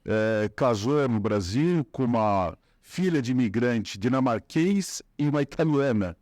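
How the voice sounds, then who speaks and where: A middle-aged man with a Paulistano Brazilian accent talks as an interview guest, winding through his story with fillers and restarts. His voice sits in an ordinary middle pitch and sounds close and dry. The tone is relaxed and conversational. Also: a little slow, no room sound. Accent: Paulistano Brazilian Portuguese. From São Paulo, Brazil. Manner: rambling, many fillers and restarts.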